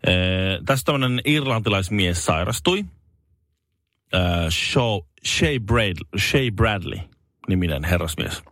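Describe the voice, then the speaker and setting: A man's voice: no room sound, studio quality. A man co-hosting a casual chat show, telling stories with lots of fillers and sudden comic voices. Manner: animated storyteller, hesitant fillers, jumps into high comic voices. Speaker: podcast co-host.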